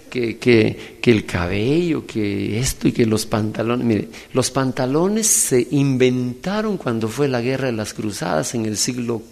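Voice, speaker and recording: A middle-aged man with a Peruvian Spanish accent, preaching a sermon in lively storytelling, swinging from hushed to loud. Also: medium pitch, gravelly, big-room sound. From Peru. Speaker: pastor. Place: conference hall.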